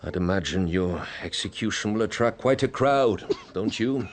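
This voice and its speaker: An actor playing a cold, vengeful count in a radio drama, measured and coolly menacing. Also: male voice, lowish voice, animated, noisy background, close to an everyday voice. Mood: cold menace. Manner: measured, icily polite, menacing.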